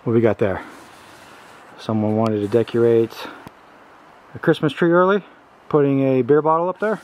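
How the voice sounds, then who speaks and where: A man's voice: mid-range voice, fairly even intonation, dull audio. Casual man vlogging on foot, noisy ambience. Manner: informal, halting, thinking aloud while walking. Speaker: host exploring abandoned places. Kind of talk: casual exploration vlog, narrating as he goes. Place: outdoors and inside derelict buildings, walking. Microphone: handheld camera at arm's length. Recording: outdoor camera audio with background noise.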